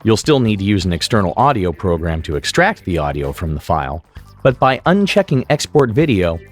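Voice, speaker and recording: A man with a fairly low voice narrates a scripted tutorial. His intonation moves in a lively way while he explains things precisely, like an instructor, with some music behind him. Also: fairly quick.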